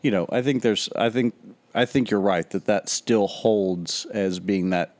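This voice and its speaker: A man in his early thirties co-hosting a podcast, talking in a measured, thoughtful, dry way. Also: lowish voice, a little mellow. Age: 30s. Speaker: podcast co-host. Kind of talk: casual chat.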